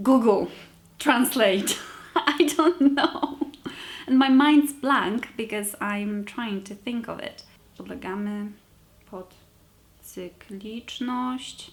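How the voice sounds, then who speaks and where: A woman with a Polish accent speaks very slowly at a high pitch, her intonation lively and her loudness swinging widely. Long, frequent pauses break her speech over noticeable background noise. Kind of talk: unscripted vlog monologue. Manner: halting.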